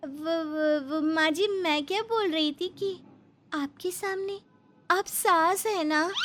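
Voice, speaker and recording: Woman doing a nervous young bride, stammers, high bright voice, cartoon. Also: takes it slowly, full character voice. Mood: flustered. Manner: hesitant, stammering. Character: timid, nervous young maid turned bride. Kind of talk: Hindi cartoon voice acting.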